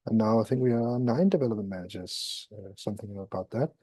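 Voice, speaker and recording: A man's voice: lowish voice, fast, warm tone, slightly rough, no echo. A man who works as a development manager, introducing himself casually and a little self-deprecatingly on a video call. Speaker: development manager, panel guest.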